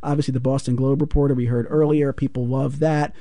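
A man hosting a radio call-in show, talking in a measured, conversational way and handing off to his guest and callers. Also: mid-range voice, little pitch movement, warm tone, no room sound. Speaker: radio talk show host.

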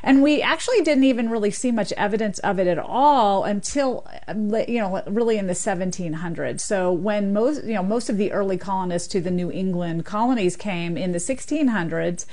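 A woman's voice: medium pitch, a little fast, hardly any pauses, warm tone. A woman, a linguist guest, explaining language history fluently and with enthusiasm on a radio talk show. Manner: fluent, enthusiastic explaining with many "you know" fillers.

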